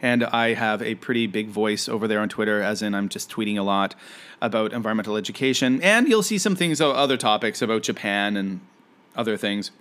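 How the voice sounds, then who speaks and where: A man's voice: lowish voice, lively intonation, brisk, fairly bright tone. A man from Canada hosting a casual solo podcast, talking in a friendly, rambling way with many fillers and restarts. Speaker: podcast host; environmental educator.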